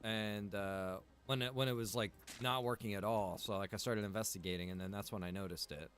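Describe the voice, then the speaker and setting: A man with a fairly low voice talks as he streams a game. His delivery is casual and rambling, the unscripted chat of a player, with swearing dropped in freely. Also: fairly even intonation, brisk, a bit bright. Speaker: streamer playing a roleplay survival game.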